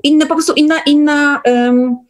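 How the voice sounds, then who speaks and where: Woman, fairly high voice, enthusiastic, emphatic, casual conversation. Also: fairly even intonation, normal speed. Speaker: guest on an online meeting. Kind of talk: casual chat.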